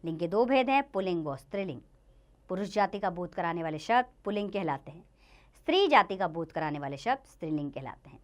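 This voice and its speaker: A woman's voice: lowish voice, lively intonation, quick pace. A woman teaching a grammar lesson to children, reading word lists in a rising and falling lilt and speaking to them directly. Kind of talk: Hindi grammar lesson narration.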